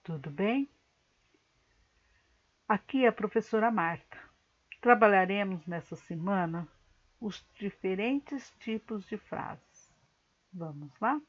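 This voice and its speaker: A woman teacher with a Brazilian Portuguese accent, reading a grammar lesson slowly and carefully to her class. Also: medium pitch, lively intonation, highs cut off. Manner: slow, careful explanatory reading. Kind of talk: recorded online grammar lesson.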